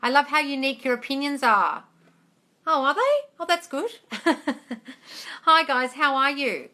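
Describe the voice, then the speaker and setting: Bright, higher-pitched chatty woman in her forties. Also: expressive, unhurried. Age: 40s. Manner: chatty, informal, calls listeners darling and guys. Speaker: manifestation coach hosting a live Q&A. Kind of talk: casual livestream chat answering viewer questions. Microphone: phone, close up.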